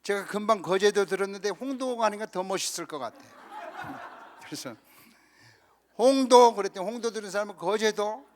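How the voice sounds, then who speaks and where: A Korean pastor in his fifties preaching a lively, humorous story sermon at a church camp, acting out the people in his story. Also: sits high, rapid-fire, hardly any pauses, slight background noise. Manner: animated storytelling, acting out quoted voices with laughter.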